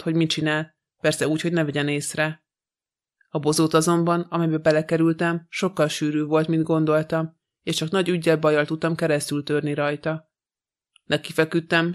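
A man narrating an audiobook in a measured, monotone reading. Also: on the high side, clean tone. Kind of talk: scripted narration.

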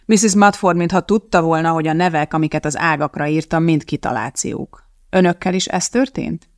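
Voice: mid-range voice, no echo, clean studio sound, natural voice. An audiobook reader voicing an anxious male TV producer who pleads and frets. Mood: worried. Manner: worried and pleading. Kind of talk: audiobook character voice.

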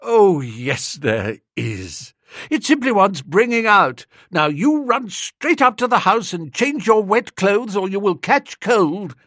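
A man voicing a bossy, self-assured young upper-class woman, speaking high and in a breezy, condescending way. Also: big pitch swings, slow, a bit bright, no room sound, studio quality, heavily acted. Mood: managing.

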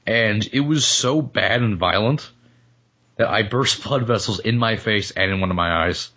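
A male podcast co-host, hoarse and losing his voice after the flu, chatting casually and joking with frequent laughs. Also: lowish voice, normal speed, pushed and bright, dull audio. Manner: joking, rambling, laughs often. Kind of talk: casual comedic chat.

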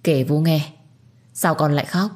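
A woman's voice: deep voice, a little slow. A woman voicing a kindly old house nanny. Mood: gentle. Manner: gentle, reassuring.

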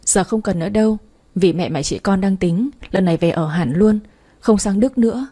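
A woman's voice: medium pitch, normal speed, dark tone, natural voice. A woman voicing a doting middle-aged mother who fondly chides her son in a storybook reading.

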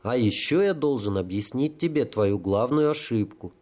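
A man's voice: mid-range voice, animated, normal speed, a little mellow, natural voice. Man playing a cunning dead sapper. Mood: commanding. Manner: smooth, persuasive, authoritative.

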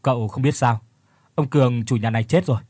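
A man's voice: mid-range voice, a little mellow, no room sound, natural voice. A man voicing a chatty, gossipy male bystander who tells the news in a rush. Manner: chatty, rushed.

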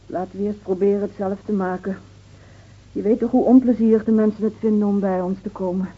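A woman's voice: mid-range voice, fairly even intonation, brisk, husky, natural voice. An actress playing a bitter, weary middle-aged village mother in a radio play, curt and fatalistic in manner. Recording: dull, muffled old radio play recording.

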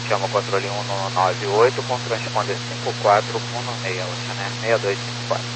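Through a noisy aircraft radio with a steady hum comes a fairly low-pitched man with a Brazilian accent. He is an airline pilot reading back flight clearances. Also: a little fast. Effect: aviation two-way radio.

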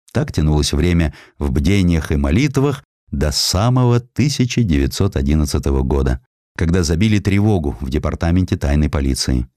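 A man reading a scripted historical story as an audiobook narrator, in a measured, expressive way with deliberate pauses. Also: low voice, no room sound, clean studio sound.

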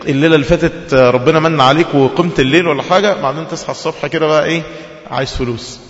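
Man, Egyptian accent, preacher, rapid animated lesson, rhetorical questions, reverberant hall, muffled lo-fi recording. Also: a little high. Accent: Egyptian Arabic. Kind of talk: colloquial religious lesson. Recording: roomy hall reverb, dull lo-fi sound.

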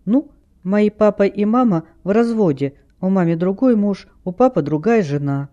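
A man voicing a level-headed teenage girl detective who reasons firmly but gently. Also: high-pitched, expressive, normal speed, lo-fi sound. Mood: calm.

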